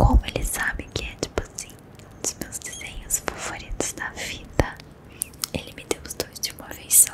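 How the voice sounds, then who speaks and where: Through loud background noise, a soft-spoken woman whispers at a fairly slow pace. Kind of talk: soft casual ASMR-style show-and-tell. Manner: soft close-mic ASMR whisper. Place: home room. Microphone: studio mic.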